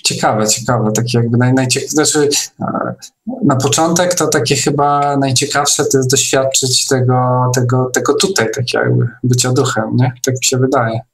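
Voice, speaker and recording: A man hosting a casual online discussion, speaking haltingly and often repeating his words. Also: mid-range voice, steady tone, creaky. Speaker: online meeting host.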